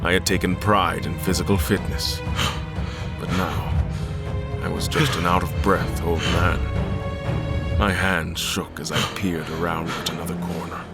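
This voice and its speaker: Haunted elderly admiral for horror audio drama: deep, formal, weary narration, prominent music underneath. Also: male voice, little pitch movement. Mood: grave, fearful. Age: older. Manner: grave, formal, deliberate. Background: loud music.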